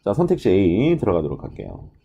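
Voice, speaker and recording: A man's voice: on the low side, huge pitch swings, brisk, creaky, mellow, slight background noise. A man teaching a test-prep listening lesson, explaining each answer choice step by step and stretching out key words for emphasis. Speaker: TOEIC listening instructor.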